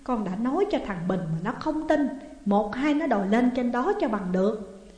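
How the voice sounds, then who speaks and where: A woman's voice: lively intonation, normal speed, darkish tone, lightly acted. A woman voicing a shaky, frightened young man. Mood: anxious. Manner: high, shaky and urgent. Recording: echoey room with long reverb.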